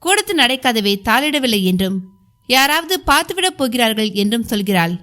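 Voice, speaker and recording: A woman narrating a historical novel as an audiobook, in a measured storytelling manner. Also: fairly high pitch, sing-song, sharp tone.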